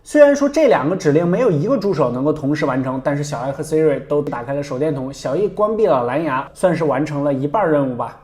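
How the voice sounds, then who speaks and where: Male tech review host: brisk, lively-pitched scripted narrator with a playful, wry edge.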